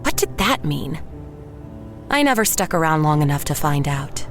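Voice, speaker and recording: An actress playing a wistful, uneasy woman artist who narrates her own story in a measured, reflective audio drama style. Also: low voice, very animated. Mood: wistful, bitter. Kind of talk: first-person scripted audio drama narration. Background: music behind the voice.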